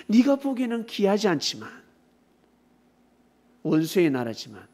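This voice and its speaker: A man voicing God as a patient father figure who gently scolds a sulking prophet, asking slow, drawn-out questions in old-fashioned biblical phrasing. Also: sits high, full character voice.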